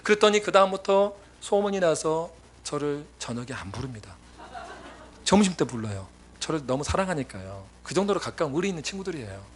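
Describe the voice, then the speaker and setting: A man preaching a sermon as a missionary, telling stories in a lively way and acting out his friends' voices. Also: on the high side, a little fast. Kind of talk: sermon with storytelling. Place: church sanctuary.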